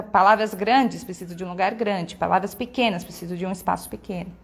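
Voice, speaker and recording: A woman presents a primary-school workbook in a relaxed teaching manner. She explains each exercise step by step and sounds out example words to show the stressed syllable. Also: medium pitch. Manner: explanatory, frequent "né?" and "tá?" tag questions. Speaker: homeschool material presenter. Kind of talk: walkthrough of a workbook.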